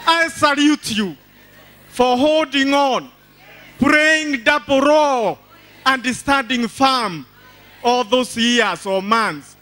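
High-pitched, forceful older Kenyan man preaching. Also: slow. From Embu County, Kenya. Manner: exuberant, declamatory, repeats phrases for emphasis. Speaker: church testimony speaker. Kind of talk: church testimony, preaching to a congregation. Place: large church hall stage. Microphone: handheld microphone.

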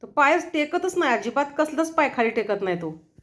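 A middle-aged woman with a Marathi accent, a vlogger who calls to her pets in a high sing-song voice and chats about them in a casual way. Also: very animated, a little fast, reverberant. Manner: coaxing pets in a high sing-song voice, then telling a story in a low voice. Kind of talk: casual chat.

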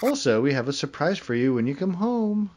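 A man voicing a kindly, polite father pony in an amateur cartoon, gentle and fatherly, on a noisy recording. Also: on the high side, very animated, brisk. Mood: friendly.

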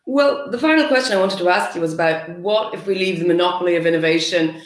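A woman's voice: fairly low pitch, fast. A young woman, a tech reporter, asking probing questions on a video call in a conversational way. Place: home room. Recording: roomy video-call audio.

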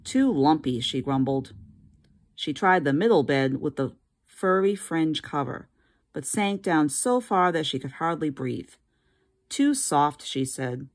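A woman with a low voice reads a children's picture book aloud for her students. Her narration is expressive and steady, made for young listeners at home. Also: measured pace. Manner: expressive reading. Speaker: teacher reading aloud. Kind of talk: storybook read-aloud.

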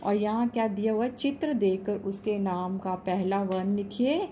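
A woman teacher with a medium-pitched, dark-toned voice patiently explains a school lesson to young children at a moderate pace. She often asks the class questions, repeats herself, and keeps saying "ठीक है." There's slight background noise.

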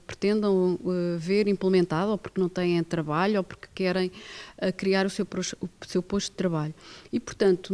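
A middle-aged woman with a European Portuguese accent, giving measured, hesitant formal answers as a mayor in an interview. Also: medium pitch, dark tone. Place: indoors, plain-walled room. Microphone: handheld reporter microphone.

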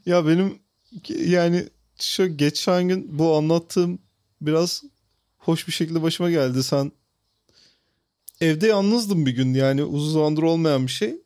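A man's voice: fairly high pitch, measured pace, darkish tone. A man co-hosting a podcast, casually telling a comic anecdote and laughing often. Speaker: podcast co-host. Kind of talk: casual chat, funny anecdote.

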